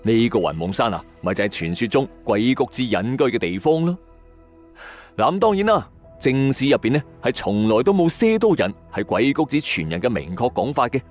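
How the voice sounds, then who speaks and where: Casting: male mystery-channel host, Hong Kong Cantonese accent, middle register, very animated intonation, colloquial scripted storytelling. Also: mid-range voice, normal speed, soft background music. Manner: storyteller's delivery with rhetorical questions and colloquial asides. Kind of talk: scripted late-night mystery narration.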